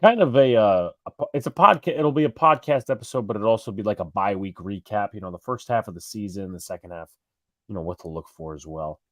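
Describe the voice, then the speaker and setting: A man's voice: on the low side, lively intonation, brisk, fairly bright tone, no echo, clean studio sound. A man with a New York accent co-hosting a live fan stream, calling plays and chatting with viewers in a rambling, self-correcting way. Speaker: live stream co-host doing play-by-play. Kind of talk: casual live play-by-play and fan chat.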